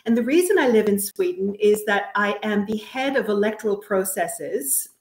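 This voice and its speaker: A woman from Canada speaking as an expert guest, giving measured, careful explanations in an interview. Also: mid-range voice, expressive, vocal fry. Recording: roomy, echoey sound.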